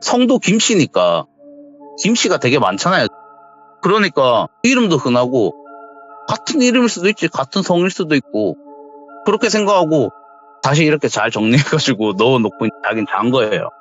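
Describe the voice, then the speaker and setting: Lively male horror storyteller. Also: mid-range voice, moderate pace, soft background music. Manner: animated retelling, acting out quoted dialogue. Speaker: horror story radio host. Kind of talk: storytelling narration. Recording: dull lo-fi recording.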